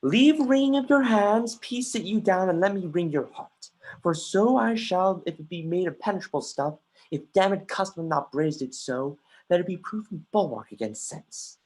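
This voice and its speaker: A husky, mid-pitched voice plays an anguished young prince in an actor's stage reading. The delivery is declamatory Shakespearean verse, accusing and scornful. It moves between muttering and outbursts, with the odd stumble over a line. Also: lively intonation, moderate pace, darkish tone, close to an everyday voice, low-quality recording. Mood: agitated, accusing. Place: remote livestream from home.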